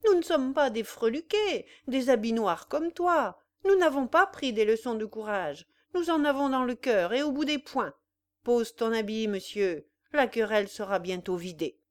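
Brutish peasant groom, thundering and loud, bullying, raised voice, read by a woman, dry close sound. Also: medium pitch, a little slow, no echo, close to an everyday voice. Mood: thundering anger.

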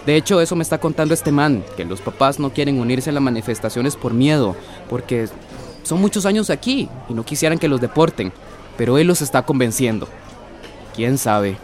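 A man's voice: mid-range voice, animated, fairly quick, darkish tone, soft background music, close to an everyday voice. An actor playing an earnest, persuasive young man in a radio drama.

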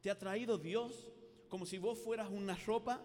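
A man with a Córdoba Argentine accent gives a lively retreat sermon to young people. He talks like an animated showman and acts out scenes in a high voice. His words ring out with a long reverb in a large hall. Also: normal speed. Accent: Córdoba Argentine Spanish. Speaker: Catholic youth preacher.

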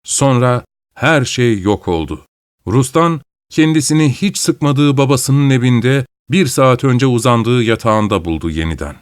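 Guy reading a story out loud, slow measured delivery, dry close sound. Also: mid-range voice, lively intonation, clear, resonant tone, no echo. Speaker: audiobook narrator. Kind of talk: scripted narration.

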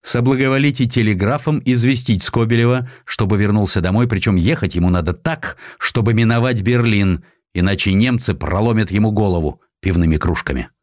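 A man's voice: lowish voice, brisk, no room sound, clean studio sound, close to an everyday voice. A man reading an audiobook voices an imperious, irritable Russian emperor giving commanding orders. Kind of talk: audiobook character acting.

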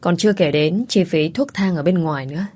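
A woman voicing a young female student, a devoted, tearful daughter who speaks softly and hesitantly. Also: on the low side, fairly quick, natural voice. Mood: distressed.

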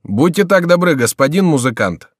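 A man's voice: fairly high pitch, very animated, moderate pace, dry recording, studio quality, voice pushed up. Man doing a petulant, insolent courtier. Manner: insolent, mock-polite. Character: rude young male courtier, petulant.

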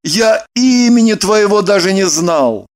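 A woman reading an audiobook, voicing an earnest, flustered young man who blurts out his words in a halting way. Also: medium pitch, expressive, a little mellow, natural voice.

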